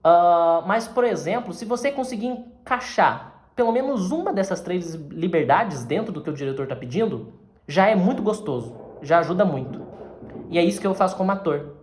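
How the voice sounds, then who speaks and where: A man's voice: sits high, expressive, normal speed, a little mellow. Brazilian man explaining acting, conversational. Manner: conversational, often ends phrases with tag questions. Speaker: actor and acting teacher. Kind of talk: casual explanatory lesson.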